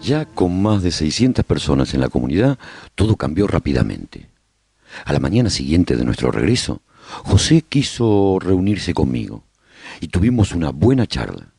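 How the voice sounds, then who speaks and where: A man narrating a radio drama as an earnest, resolute survivor chronicling his colony in a solemn, deliberate way. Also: deep voice, big pitch swings, vocal fry, mellow, breathy edge, dry recording, clean studio sound, exaggerated voice. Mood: measured, earnest.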